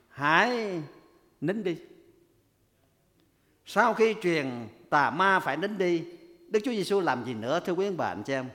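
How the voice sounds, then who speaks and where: Male preacher, high and animated pitch, sermon delivery, rhetorical questions to the congregation, long hall reverb. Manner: rhetorical questions to the congregation, voice rising when quoting.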